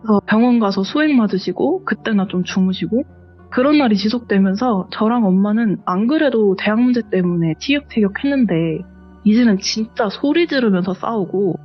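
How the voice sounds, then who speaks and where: A woman with a husky, slightly breathy voice recounts a true ghost story in plain, conversational speech as the guest on a horror radio show. The sound is a little dull and muffled, with faint music underneath. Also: medium pitch, normal speed. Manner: conversational, matter-of-fact retelling.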